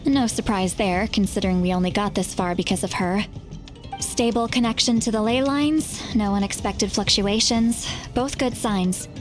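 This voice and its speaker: A woman playing a seasoned, self-assured female tribal elder with a youthful voice in a video game, brisk, teasing and caring. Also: mid-range voice, natural voice. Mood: focused. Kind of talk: video game character acting. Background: game music.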